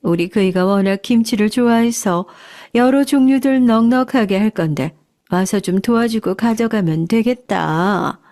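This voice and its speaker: A woman voicing a haughty, patronizing executive's wife who speaks slowly. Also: medium pitch, a little mellow, natural voice. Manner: slow, patronizing.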